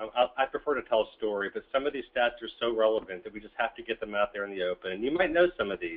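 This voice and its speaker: A man speaks at a very fast pace with hardly any pauses, at medium pitch with ordinary pitch variation. His loudness swings widely. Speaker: webinar presenter on dealer marketing. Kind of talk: webinar presentation. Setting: online webinar. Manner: casual, conversational.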